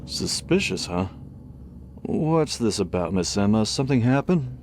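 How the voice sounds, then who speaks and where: Low male voice, folksy game building keeper, flippant, feigned concern, music behind. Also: sing-song, measured pace. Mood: flippant, unconcerned. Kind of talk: video game voice acting.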